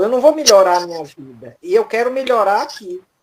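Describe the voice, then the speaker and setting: A woman's fairly high pitch with very wide pitch swings, at a moderate pace. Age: 60s. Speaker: audience member. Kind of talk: personal testimony.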